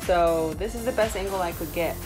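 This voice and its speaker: A woman's voice: on the low side, brisk, over music, poor audio. Chatty young Native American woman vlogging. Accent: Native American reservation accent. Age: young adult. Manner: chatty, informal, rambling. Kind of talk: casual vlog chat. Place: small room indoors.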